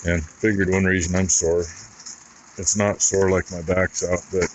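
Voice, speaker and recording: Middle-aged male farm vlogger, low-pitched, folksy and rambling, casual chore talk with some background noise. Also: level tone, measured pace, low-quality recording. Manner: rambling, folksy, thinking aloud. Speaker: farmer vlogger. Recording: noticeable background noise and rattling.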